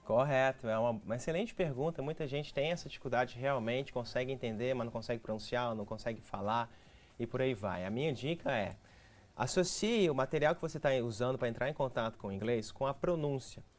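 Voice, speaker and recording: A man's voice: mid-range voice, a little fast. A Brazilian man with a Brazilian Portuguese accent, an English teacher giving didactic, step-by-step advice as a guest in a TV studio interview. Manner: didactic, explains step by step with practical tips.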